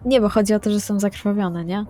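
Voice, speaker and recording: A woman playing a composed, teasing female vampire boss in a roleplaying game, coaxing and giving soft orders. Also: mid-range voice, steady tone, fairly quick, a little hiss or hum, natural voice.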